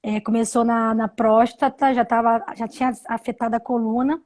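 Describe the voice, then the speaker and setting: A woman in her thirties telling a personal story on a live video call, halting, with many restarts and repeated words. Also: fairly high pitch, little pitch movement, a little mellow. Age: 30s. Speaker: interview guest. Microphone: video call from home.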